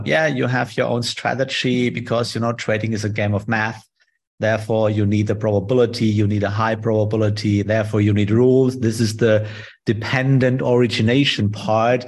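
German man explaining trading charts. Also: fairly low pitch. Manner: friendly, halting non-native English with many fillers. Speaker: trading guest presenter. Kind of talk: live online trading webinar, walking through charts.

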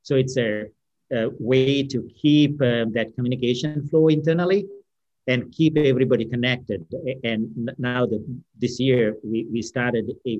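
A low-pitched man whose English is a third language talks through an unscripted podcast answer, full of ums, uhs and restarted phrases. The sound is dry and slightly muffled, like a remote call. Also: darkish tone, no room sound. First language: non-English first language. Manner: hesitant, many fillers and restarts. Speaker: company founder and CEO, guest.

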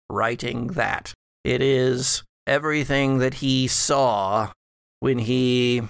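Man playing a slow, creaky, scholarly dead patriarch. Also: medium pitch, a bit bright, no room sound. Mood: measured, secretive. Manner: halting, deliberate, formal phrasing. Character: dead old male ancestor, scholarly, wry, scheming. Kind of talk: improvised tabletop horror roleplay.

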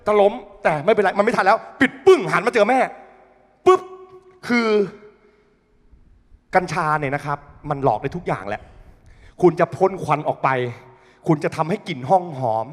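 A young man doing stand-up, telling an animated, profane story full of sound effects. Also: sits high, moderate pace, long pauses. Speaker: comedian. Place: studio stage. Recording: long reverb in a studio hall.

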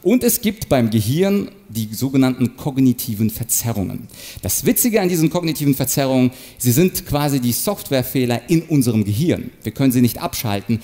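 Lively man giving an animated talk. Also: medium pitch. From Ukraine. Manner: animated, explanatory, acts out short quoted examples. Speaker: speaker on manipulation and rhetoric. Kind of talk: stage talk to an audience.

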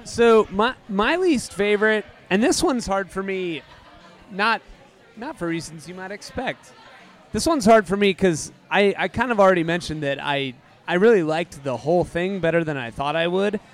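A man with a high-pitched voice hosts a casual podcast. He is upbeat and jokey and steers the talk with questions. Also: animated, moderate pace, soft background music. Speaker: podcast host. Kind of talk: casual chat.

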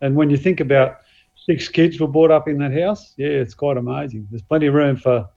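An Australian man, a guest axe and knife maker, talking casually and modestly with many pauses and fillers. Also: on the high side, steady tone, vocal fry, mellow, lo-fi sound. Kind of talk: casual podcast chat.

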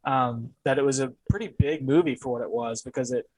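A man's voice: mid-range voice, fairly quick, slightly rough, no room sound, rough recording. A man co-hosting a casual movie podcast, talking in a loose, rambling way with frequent fillers and chuckles. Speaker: podcast co-host. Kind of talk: casual chat.

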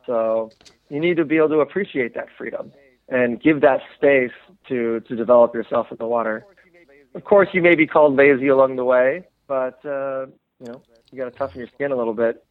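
A man from the United States, a former Olympic swimmer, answering interview questions in a reflective, halting way with many fillers. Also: medium pitch, no room sound. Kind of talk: casual interview conversation. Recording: tinny phone-line sound, dry.

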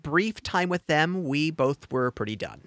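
A man's voice: a little high, animated, a little slow, a bit bright, dry recording. A man co-hosting a podcast in casual chat, effusive and full of fillers, with dry sarcasm. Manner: effusive, hesitant with many fillers. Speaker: podcast co-host.

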